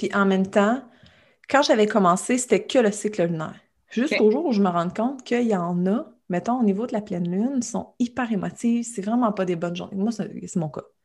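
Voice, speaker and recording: A woman's somewhat breathy voice at a fairly quick pace, with ordinary pitch variation, in a very clean recording with a silent background. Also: medium pitch for a woman. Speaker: entrepreneur and group coach. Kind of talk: casual interview conversation.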